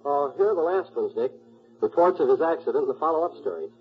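Detective's male sidekick: very raspy, animated, wry and eager, muffled 1940s radio drama. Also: fairly high pitch, fast talker. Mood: eager, informative.

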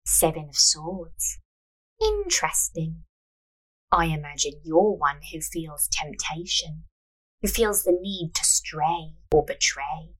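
A woman voicing a calm, cryptic female fortune teller in a read-aloud story, speaking slowly and knowingly. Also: low-pitched, husky, pitched below the performer's own voice, full character voice, low-quality recording. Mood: knowing, ominous.

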